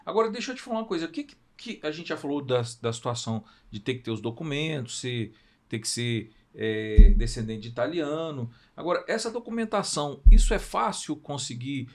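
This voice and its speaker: A man's voice: medium pitch, lively intonation, a little fast. A Brazilian man hosting a podcast, asking curious follow-up questions and giving frequent short affirmations. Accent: Brazilian Portuguese. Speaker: podcast host. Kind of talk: interviewing on a podcast.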